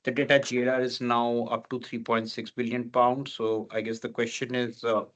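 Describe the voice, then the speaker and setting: A man moderating a conference call, politely and haltingly reading out questions from analysts. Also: medium pitch, level tone, a bit bright.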